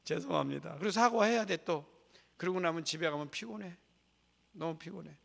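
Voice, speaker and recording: A man's voice: a little high, fairly quick, gravelly, a bit bright. A middle-aged male guest preacher telling a personal story in a folksy, humorous, conversational sermon style. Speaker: guest preacher at a revival meeting. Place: church sanctuary. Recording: long reverb of a church sanctuary.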